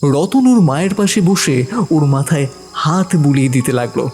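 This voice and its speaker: A man narrates a village ghost story with dramatic storytelling flair. His voice sits a bit high. Loud music and crickets run beneath it. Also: animated, normal speed. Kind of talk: scripted horror story narration.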